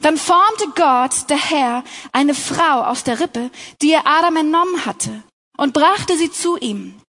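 A young adult woman at a Christian talk gives an earnest, personal sermon, speaking directly to the other women in her audience. Her voice sits high and a bit bright, and she talks a little slowly.

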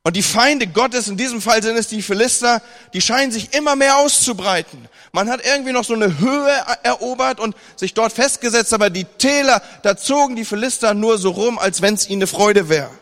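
A man's voice: sits high, moderate pace, a bit bright. A man from northern Germany preaching a sermon, reading scripture and retelling it with humor and mock dialogue. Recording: long hall reverb.

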